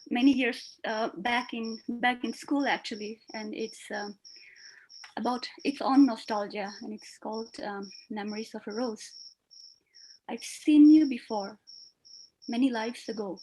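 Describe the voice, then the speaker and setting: A woman's voice: on the high side, a little mellow, rough recording. A hesitant woman with a Northeast Indian accent, a native Tenyidie speaker, speaking as a guest poet. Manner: hesitant, halting. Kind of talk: informal introduction and poetry reading.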